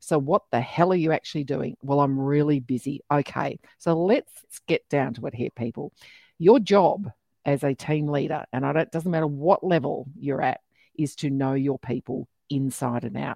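With an Australian accent, a woman talks in an animated tone at a moderate pace, her very deep, low pitch showing ordinary variation. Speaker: podcast co-host, leadership expert. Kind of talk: casual conversational podcast discussion. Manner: animated, jokey.

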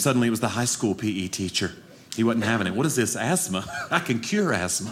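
A playful man at medium pitch, talking at a fairly quick pace with lively intonation, over noticeable background noise. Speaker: comedian. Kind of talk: stand-up comedy, self-deprecating childhood storytelling. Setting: stage with audience. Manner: playful, conspiratorial crowd banter; punchy, rhythmic repetition for laughs.

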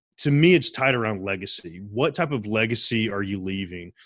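With an American accent, a man talks at a very fast pace in a medium pitch with lively intonation over a quiet background. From US South, Georgia (outside Atlanta). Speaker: army officer and former police officer. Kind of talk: casual interview.

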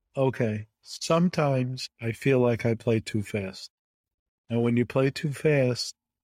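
In a New York accent, a man with a medium pitch and fairly even intonation speaks on a very clean recording with a silent background and a dry, close sound with no echo. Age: 70s. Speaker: bridge champion. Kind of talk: interview.

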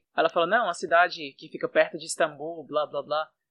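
Recorded with a dry, close sound, no echo and a quiet background, a man with a fairly high pitch and a bright, sharp tone talks at a fairly quick pace with fairly even intonation. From Brazil, Fortaleza, Ceará. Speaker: language teacher. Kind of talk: casual chat.

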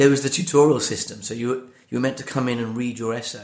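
Talking at a very fast pace, a man speaks with a Welsh accent. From rural Wales. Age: 40s. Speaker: poet and author. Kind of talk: interview conversation.

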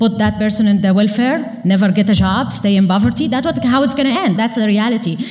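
With an Arabic accent and lively intonation, a woman of medium pitch talks at a very fast pace over noticeable background noise and audible room echo. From Syria. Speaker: panelist with refugee family. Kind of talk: live panel discussion.

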